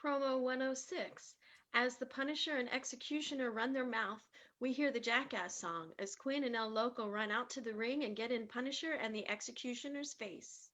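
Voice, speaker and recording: A woman's voice: a little high, normal speed, fairly bright tone. A woman reading scripted stage directions for a staged reading of wrestling promos. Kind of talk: scripted narration of wrestling scenes.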